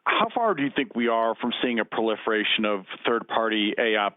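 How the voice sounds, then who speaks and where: A man's voice: fairly low pitch, fairly quick, no echo. A male financial analyst on a phone line asking an earnings call question, hesitant and restarting his phrases. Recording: dry, tinny phone line.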